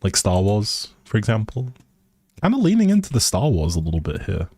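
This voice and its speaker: With huge swings in pitch, this low-voiced man talks a little fast and sounds slightly mellow as he hosts a game livestream. He thinks aloud and chats casually while playing a life simulation game, and the recording is dry.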